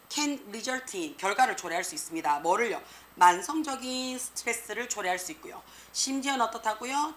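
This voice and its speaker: A woman English teacher giving an exam prep lecture, lively and slangy, peppering students with rhetorical questions. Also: medium pitch, slight background noise. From South Korea.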